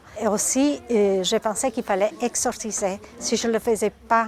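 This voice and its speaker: A woman with a non-native accent speaks at a fairly slow pace. Her pitch is fairly high. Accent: foreign accent in French. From foreign-born immigrant. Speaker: participant in an anti-racism event. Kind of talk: interview testimony. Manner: hesitant.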